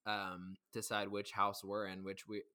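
A man's voice: fairly low pitch, completely flat delivery, measured pace, sharp tone. A man co-hosting a podcast in a casual live stream chat, running loosely through recaps of past episodes. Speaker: podcast co-host.

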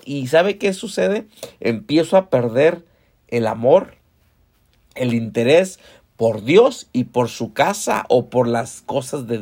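A man's voice: mid-range voice, a little mellow. A male pastor preaching a sermon conversationally, often calling the congregation brothers and asking them questions.

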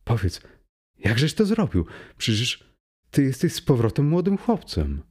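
A man's voice: medium pitch, huge pitch swings, measured pace, a little mellow, slightly rough, pitched above the performer's own voice, heavily acted. A man reading an astonished, weary male guest. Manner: exclaiming, astonished questions.

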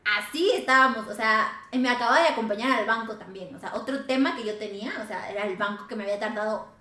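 A woman with a Mexican accent hosting a podcast, telling a story in animated casual chat, swearing a lot and acting out what people said. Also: on the high side, fast, reverberant. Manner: animated, swears a lot, acts out quoted dialogue. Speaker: podcast host.

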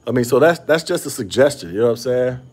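This man hosts a relaxed podcast conversation, speaking fast with lively intonation in a medium-pitched, husky, darkish voice. A slight stutter and repeated restarts run through his speech, recorded on a podcast microphone.

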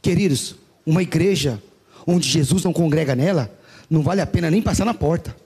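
A man's voice: a little high, a little fast, darkish tone, breathy edge. A man preaching a sermon, emphatic, stretching out stressed words.

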